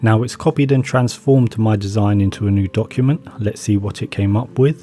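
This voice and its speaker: Music plays in the background while a man talks. His pitch is fairly low, with ordinary variation. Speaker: software tutorial creator. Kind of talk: tutorial.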